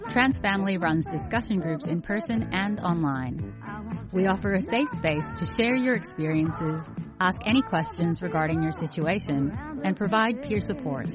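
A woman reading a scripted community-group announcement in an even, read-aloud manner. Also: fairly low pitch, normal speed, music in the background.

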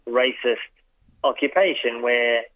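A man in his fifties answers interview questions in a thoughtful way, speaking in short phrases with pauses. His voice sits at a middle pitch and comes through a tinny phone line. The sound is dry, with no room echo. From Australia. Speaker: guest, journalist and author.

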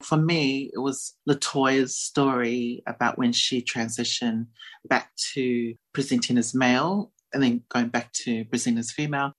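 A woman's voice: a bass voice, steady tone, unhurried. A woman who grew up in Australia, answering conversationally as an interview guest. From born in New Zealand, grew up in Australia. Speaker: interview guest, series host.

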